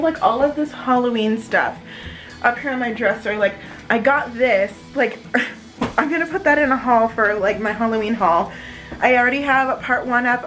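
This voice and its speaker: Chatty woman vlogger with a higher voice. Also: fairly bright tone, low-quality recording. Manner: chatty, informal, talking to viewers. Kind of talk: casual day-in-the-life vlog chat.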